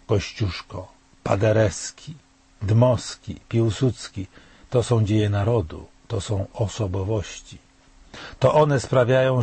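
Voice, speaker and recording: Man, sixties, husky, dark, low, grave studio commentary. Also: no room sound. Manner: measured, grave, rhetorical questions. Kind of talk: scripted spoken commentary.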